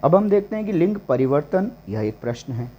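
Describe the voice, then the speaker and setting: A man teaching a grammar lesson, slowly listing example words one at a time. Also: a little high, big pitch swings, highs cut off. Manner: slow and deliberate, listing examples word by word. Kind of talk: classroom-style grammar lesson.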